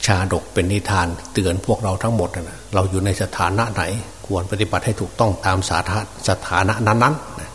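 A man preaching as a monk, folksy and unhurried, with many fillers. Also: lowish voice. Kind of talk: Dhamma sermon. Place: open temple hall. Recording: distant reverberant hall with faint noise.

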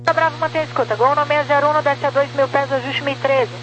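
A woman's high voice comes through a dull walkie-talkie style radio with faint noise. She is an air traffic controller issuing short procedural instructions. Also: fairly even intonation, fast, fairly bright tone. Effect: over walkie-talkie style aviation radio. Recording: dull, faintly noisy radio channel with hum.

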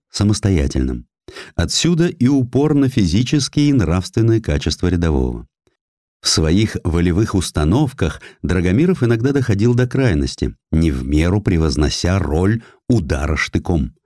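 A man reading a historical essay as an audiobook narrator, measured and declamatory, with deliberate pauses. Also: low-pitched, sing-song, a little mellow, dry recording, studio quality.

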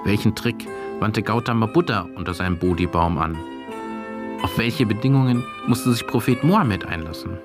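Low-voiced male narrator over music. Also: moderate pace. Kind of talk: scripted radio feature narration.

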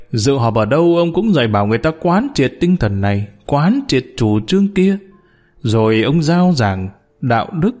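Bitter underling turned accuser, read by a man; mid-pitched, scornful. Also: a little mellow, natural voice. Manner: mocking, accusing, wailing. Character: bitter downtrodden male underling, scornful, sobbing.

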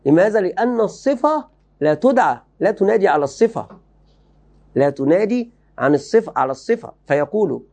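Man, higher voice, mellow dark tone, emphatic religious teacher, repeats himself. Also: sing-song, fairly quick. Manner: emphatic, repeats key phrases, quizzes students. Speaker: Islamic teacher. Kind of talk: religious lesson explaining a book.

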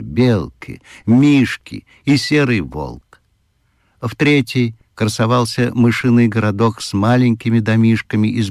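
A man narrating a children's audiobook in a measured storytelling manner. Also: fairly low pitch, darkish tone, no echo.

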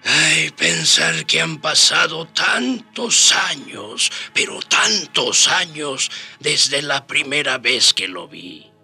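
An actor in a radio drama playing a proud, weary old indigenous man who speaks in a halting, reflective way. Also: fairly high pitch, big pitch swings, gravelly, sharp tone, husky, soft background music, full character voice. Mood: nostalgic.

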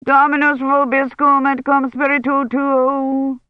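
A man's voice: extremely high pitch, monotone, a little slow, no room sound, narrow, tinny audio, pitched above the performer's own voice. A narrator voicing a male church envoy who answers curtly and dismissively, in a hurry to leave. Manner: curt, dismissive. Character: evasive, hurried clerical envoy.

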